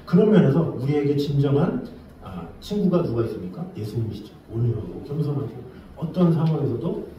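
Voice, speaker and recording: A man preaching a sermon, telling an everyday story with lively exclamations and then drawing a lesson from it. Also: medium pitch, fairly quick, dull audio, a little hiss or hum. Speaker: pastor. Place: church sanctuary. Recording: very echoey, distant from the mic.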